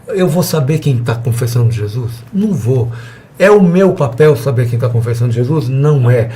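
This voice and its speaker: A man's voice: mid-range voice, lively intonation, normal speed, dark tone. A man teaching a church evangelism class in a conversational way, acting out little dialogues with the people he talks to. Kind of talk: church seminar lesson.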